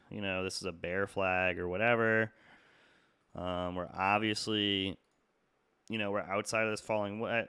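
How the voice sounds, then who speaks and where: A young man, congested from a cold, rambles casually through a market analysis with plenty of "uh"s and "like"s. His voice sits a little low but comes across bright and smooth. The recording is dry and close. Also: dry recording. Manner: casual, rambling, many fillers and restarts. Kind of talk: casual trading chart talk.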